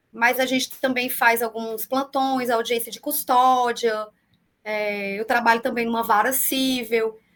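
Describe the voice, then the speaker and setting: A woman's high-pitched voice, fairly slow in pace, with monotone, flat intonation. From southern Brazil, Rio Grande do Sul (Tapejara). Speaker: public defender. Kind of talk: interview. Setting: video call.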